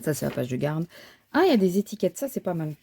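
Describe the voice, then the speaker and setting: A woman's voice: lowish voice, sing-song, fast, vocal fry, warm tone, a little hiss or hum. A woman thinking aloud as she crafts, talking casually with frequent fillers and restarts. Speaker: crafting vlogger. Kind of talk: casual chat while crafting.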